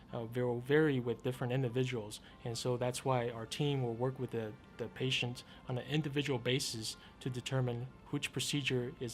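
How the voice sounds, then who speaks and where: A male surgeon speaks in a measured, explanatory way. Faint music plays behind his voice. The tone is informational rather than salesy. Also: medium pitch. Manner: measured, explanatory, with some fillers. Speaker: surgeon in a hospital ad. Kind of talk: informational hospital spot.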